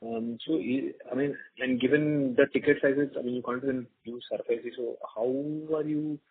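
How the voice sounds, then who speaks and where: A man's voice: medium pitch, steady tone, moderate pace, breathy edge, no room sound. A man, an analyst on an earnings call, asking a probing question and restarting his sentences. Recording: dry, narrow phone line.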